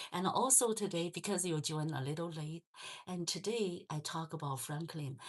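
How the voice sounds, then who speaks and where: Quiet and very deep, low in pitch, a woman with a Chinese accent speaks at a fairly slow pace with ordinary pitch variation. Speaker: online English teacher. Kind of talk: livestream reading and teaching. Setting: livestream. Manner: halting.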